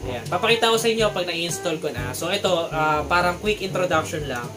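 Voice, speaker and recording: A Filipino man with a slightly high voice presents an unboxing in a casual vlog style. He is chatty and informal and slips English terms into his talk. Loud guitar music plays behind him throughout. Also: expressive, brisk. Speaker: motorcycle vlogger and product reviewer. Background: prominent guitar music.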